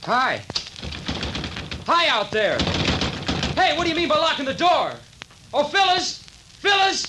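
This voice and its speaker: A man's voice: very high voice, sing-song, a little slow, exaggerated voice. An actor playing an earnest, uneasy young man in a 1940s radio drama. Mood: alarmed. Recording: old radio recording with clear hiss.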